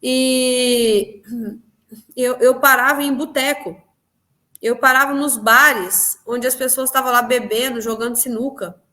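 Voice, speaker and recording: A woman's voice: sits high, steady tone, measured pace, bright, forceful tone. A woman with a Brazilian accent telling of her spiritual experiences in an interview, earnest and emphatic, often repeating her phrases. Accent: Brazilian Portuguese. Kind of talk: personal testimony in an interview.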